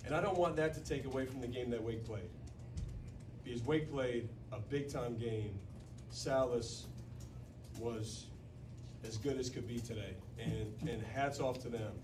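Earnest coach at a distant, noisy mic. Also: male voice, medium pitch, a little slow. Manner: earnest, firm, repeats key points. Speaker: basketball coach. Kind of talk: post-game press conference statement.

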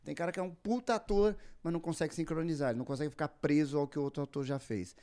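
Racing along in a slightly high voice, a Brazilian man who works as a voice actor spins animated stories during a relaxed podcast conversation, breaking into frequent laughter.

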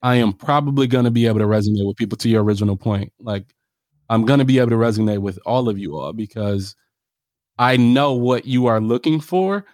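Fairly quick and a little mellow, this mid-range male voice belongs to a real estate developer with an African American accent. He's casual, emphatic and confident in an interview, regularly tossing in "right?" The recording is dry and studio quality.

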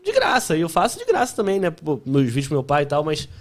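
A young man with a Carioca accent talks casually on a podcast. His voice sits high and swings widely in pitch. He fills his speech with fillers and laughs often. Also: huge pitch swings, fast talker. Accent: Carioca Portuguese. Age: young adult. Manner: chatty, laughs often, many filler words. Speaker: guest, content creator.

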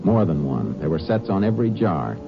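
Tough ranger lawman, very low voice, terse delivery, vintage radio drama, dull sound. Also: sing-song, brisk, background noise. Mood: grim, suspenseful. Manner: terse, clipped storytelling. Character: Texas Ranger, tough steady lawman narrating his case. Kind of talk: 1950s radio drama acting and narration. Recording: vintage radio recording, dull, music behind.

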